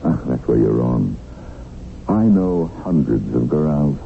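A man's voice: extremely low pitch, expressive, a little slow, gravelly, heavily acted. An actor playing a wry, unflappable businessman held hostage in a 1970s radio drama, sardonic, genial and probing. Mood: expansive, sardonic. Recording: muffled, noisy 1970s radio broadcast.

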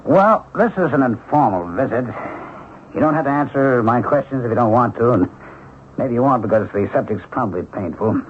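An actor playing a courteous, quietly persistent police lieutenant in a 1970s radio drama, measured and informal. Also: male voice, medium pitch, expressive, close to an everyday voice. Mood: probing. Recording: tinny old radio recording, faint noise.

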